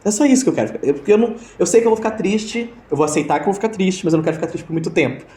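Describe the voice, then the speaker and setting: A man's voice: high-pitched, very fast, warm tone, roomy sound. A young Brazilian man telling a story in a casual interview, hesitant, with many restarts and fillers, over a video call. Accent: Brazilian Portuguese. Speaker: interview guest.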